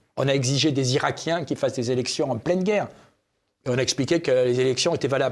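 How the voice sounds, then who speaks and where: Heard on a very clean recording against a silent background, a man has an unremarkable speaking voice with a medium pitch and ordinary pitch variation. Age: 60s. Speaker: politician. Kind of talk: interview.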